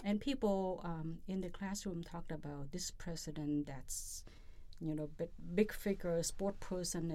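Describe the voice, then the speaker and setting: Earnest middle-aged woman, lowish voice, halting and heartfelt. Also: a little mellow. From Vietnam. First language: Vietnamese. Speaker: interviewee, federal employee. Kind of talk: personal interview.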